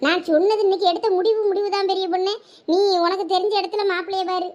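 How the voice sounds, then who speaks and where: Shrill, fast-talking scolding village mother, acted by a woman. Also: fairly even intonation, lo-fi sound. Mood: exasperated. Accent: Thoothukudi Tamil. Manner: scolding, complaining, repetitive. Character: exasperated, anxious village mother fretting over her children. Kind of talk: cartoon village drama dialogue.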